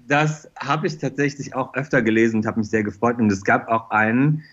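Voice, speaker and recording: A man of middle age talks as an interview guest in a medium-pitched voice. He is chatty and circles back to repeat his phrases. The recording sounds slightly dull, with a limited frequency band. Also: fairly quick, fairly bright tone. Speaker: interview guest, fashion designer. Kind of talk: casual podcast interview.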